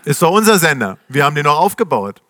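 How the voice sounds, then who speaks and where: A middle-aged man telling his founder story to a live audience in a casual, slangy, animated way, acting out the voices of the people he quotes. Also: a little high, quick pace, no room sound. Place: stage before a live audience.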